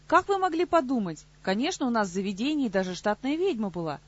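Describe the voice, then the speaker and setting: A loud, shrill woman who scolds and hisses, as a female narrator puts her on. Her voice runs high and husky, heard on a dull, lo-fi audiobook recording. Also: sing-song, fast talker. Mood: indignant. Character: brash, aggressive woman, loud and demanding. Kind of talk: audiobook character voice.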